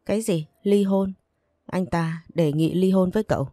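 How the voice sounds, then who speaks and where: A woman reading an audiobook and voicing a young female friend who is protective and quick to anger on her friend's behalf. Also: on the low side, warm tone, no room sound, clean studio sound, natural voice. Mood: indignant. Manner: consoling, then outraged.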